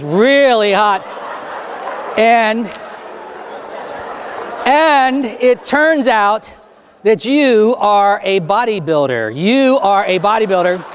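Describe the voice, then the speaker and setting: A man performing as a stage hypnotist, giving rhythmic, repetitive commands to volunteers in front of a live audience. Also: high-pitched. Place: theater stage before an audience. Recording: live show with audience and noise.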